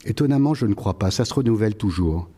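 A man reading aloud a wry prose piece to an audience, in a measured way. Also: fairly low pitch, animated, warm tone, slightly rough. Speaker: author reading and answering.

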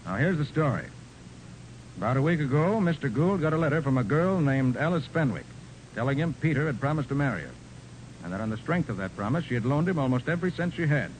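An actor playing a confident, commanding private detective with a brisk, authoritative manner in a 1940s radio crime drama. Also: male voice, lively intonation, lightly acted. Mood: explanatory, assured. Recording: noisy rumbling 1940s radio recording.

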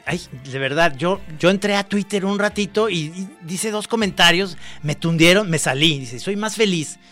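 A man's voice: high voice, moderate pace, a bit bright. Teasing mexican man, casual swearing, light music under it. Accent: Mexican Spanish. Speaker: podcast co-host. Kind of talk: casual chat.

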